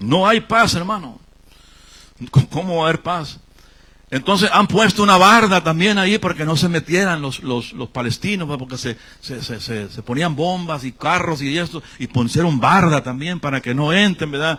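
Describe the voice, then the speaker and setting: A man's fairly high, bright and sharp voice, with lively intonation at a moderate pace. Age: 60s. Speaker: pastor. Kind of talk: sermon.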